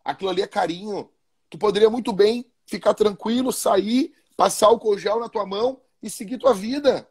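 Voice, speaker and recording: A frank, scolding wife speaks, quoted by a man. The voice stays high for a man and slightly husky, with little change from his normal tone. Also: normal speed, darkish tone.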